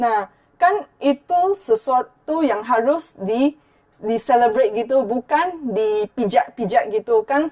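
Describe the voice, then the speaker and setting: The recording has a dry, close sound with no echo. A woman speaks at a high pitch and a very slow pace. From Malaysia, Chinese-Malaysian family. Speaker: YouTuber. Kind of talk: vlog rant. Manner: halting, frequent self-corrections.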